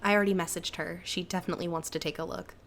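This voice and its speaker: A woman's voice: lowish voice, fairly even intonation, very fast, gravelly, a bit bright, a little hiss or hum. A woman playing a cautious, resigned cryptid with a hesitant, downbeat way of talking in a naturalistic audio drama. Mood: matter-of-fact. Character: Sybil, cautious, resigned female cryptid in a small town.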